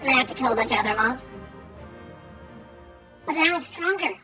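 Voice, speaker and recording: A woman giving casual gameplay commentary and chatting with viewers in a rambling, halting way, her R's softened toward W. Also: high-pitched, animated. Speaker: game streamer. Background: faint music.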